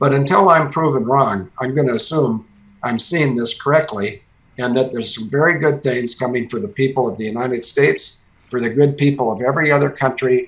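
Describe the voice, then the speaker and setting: The man's voice is medium in pitch and somewhat breathy. He talks fairly quickly with ordinary pitch variation. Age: 60s. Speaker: political commentator. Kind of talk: radio talk show interview.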